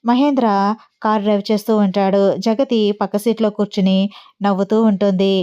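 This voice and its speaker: A woman's voice: mid-range voice, fairly even intonation, brisk, mellow, smooth. A woman narrating a homemade story in a casual storytelling style, reading all the characters in her own voice. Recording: dull lo-fi sound.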